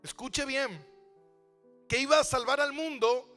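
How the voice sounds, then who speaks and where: A man's voice: very high voice, unhurried, sharp tone, soft background music. A man pastor preaching a sermon, asking rhetorical questions and repeating phrases for emphasis. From Argentina.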